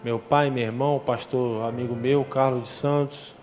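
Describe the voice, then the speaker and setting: A man's voice: mid-range voice, steady tone, moderate pace, darkish tone, faint music behind. Brazilian man giving an emotional testimony. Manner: emotional storytelling, acting out dialogue. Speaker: former football defender giving testimony. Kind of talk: church testimony. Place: church.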